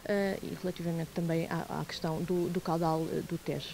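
A woman reporter asking rapid questions at an outdoor press gathering, heard from off-mic. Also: on the low side, flat delivery, gravelly, dark tone. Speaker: radio reporter. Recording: distant off-mic voice.

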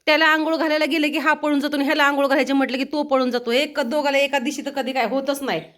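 A middle-aged woman with a Marathi accent, a vlogger who calls to her pets in a high sing-song voice and chats about them in a casual way. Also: little pitch movement, quick pace, a bit bright, roomy sound. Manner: coaxing pets in a high sing-song voice, then telling a story in a low voice. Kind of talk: casual chat.

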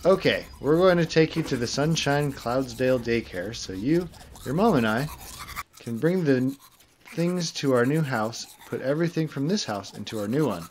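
A man voicing a kindly, polite father pony in an amateur cartoon, gentle and fatherly, on a noisy recording. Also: medium pitch, lively intonation, normal speed, lightly acted. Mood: friendly.

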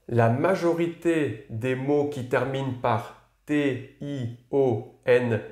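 A man teaching a video lesson, explaining words slowly and carefully and spelling out letters. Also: mid-range voice, a little mellow, reverberant. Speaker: French teacher.

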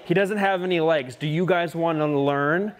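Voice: mid-range voice, moderate pace. A camp counselor giving a casual, playful first aid lesson to a group of campers. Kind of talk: casual instruction to kids.

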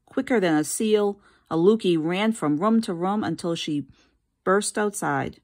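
A woman teacher reading a children's storybook aloud with expressive narration. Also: on the low side, measured pace.

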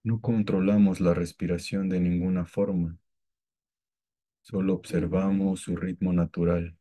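A man guiding a meditation with calm, gentle, scripted instructions and long pauses between phrases. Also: deep voice. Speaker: meditation guide.

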